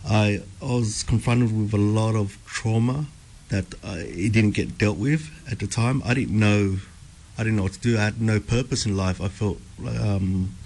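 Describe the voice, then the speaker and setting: A young Australian man telling his life story as a radio guest, halting, with many ums and repeated words. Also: on the low side, gravelly, a little mellow, rough recording. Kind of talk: personal testimony interview. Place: radio studio.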